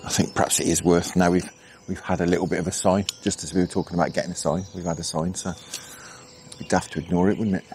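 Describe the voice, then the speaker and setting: A middle-aged man from England talks through his fishing session outdoors on a canal bank at dawn. His voice sits low and deep, and his manner is relaxed and chatty, thinking aloud with easy fillers. Faint outdoor ambience with birdsong runs underneath. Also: fast, noisy background. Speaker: angling vlogger. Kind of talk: casual commentary while fishing. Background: birdsong and insects.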